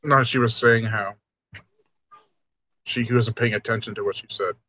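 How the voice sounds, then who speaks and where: A man's voice: medium pitch, fairly even intonation, normal speed, pushed and bright. A man hosting a casual movie riff, joking and laughing often as he talks over the film. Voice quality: husky. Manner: jokey, laughs often, quotes lines in silly voices. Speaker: host.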